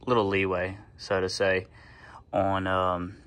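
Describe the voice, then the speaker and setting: Laid-back low-voiced man in a shop. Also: slow. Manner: relaxed, rambling, with many fillers. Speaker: fabricator and channel host. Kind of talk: casual shop vlog. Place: garage workshop.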